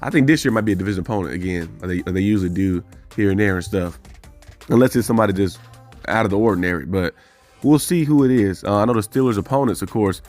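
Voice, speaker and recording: The same style of loose solo sports commentary comes from a fast-talking man with a fairly low, slightly mellow voice. He rambles over team news for his fan channel, thinking aloud and self-correcting, with faint music behind him.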